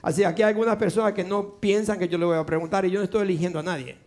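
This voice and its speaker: A male pastor preaching and questioning his congregation in a quick, lively manner during a church service. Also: high-pitched.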